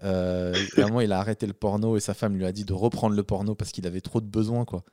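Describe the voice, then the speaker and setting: A man in casual chat, telling a story in an animated, slangy way. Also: fairly low pitch, fast talker, no echo, clean studio sound.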